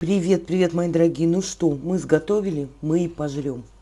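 The voice has a dark, mellow tone, moving at a fairly slow pace with fairly even intonation. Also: woman. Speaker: home video blogger. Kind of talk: casual vlog chat while eating. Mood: warm, chatty, laughing. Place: kitchen. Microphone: phone near.

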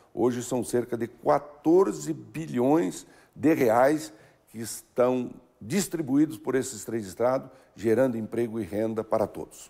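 Against a quiet background, a man with a medium pitch, vocal fry and a dark, mellow tone speaks at a very slow pace with lively intonation. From Paraná, Brazil. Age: 60s. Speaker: bank president and former state governor; politician. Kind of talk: TV interview. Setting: TV studio. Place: studio.

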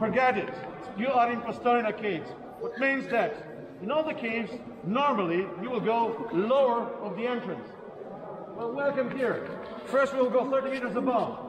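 A man at an extremely high pitch, moderate pace, ordinary pitch variation, and long, frequent pauses, with noticeable background noise. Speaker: cave tour guide. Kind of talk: guided tour talk. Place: tunnel cave.

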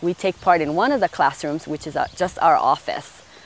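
A woman's voice, dry sound with no echo. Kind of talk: interview answer. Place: open country. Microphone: lapel.

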